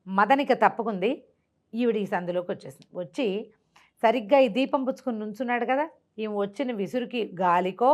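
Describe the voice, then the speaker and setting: A woman tells a classical tale off the cuff as a storyteller, explaining conversationally and repeating phrases as she goes. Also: fairly high pitch.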